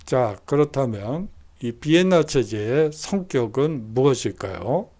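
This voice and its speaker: A man's voice: mid-range voice, expressive, unhurried, a little mellow. A man giving a recorded university history lecture, explaining steadily with frequent hesitation fillers.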